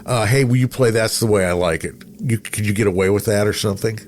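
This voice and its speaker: A man's voice: fairly low pitch, fast. A middle-aged man chatting casually and telling anecdotes, acting out bits of remembered dialogue. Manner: storytelling, acts out quoted remarks. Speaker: radio personality, podcast guest. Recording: noticeable background noise.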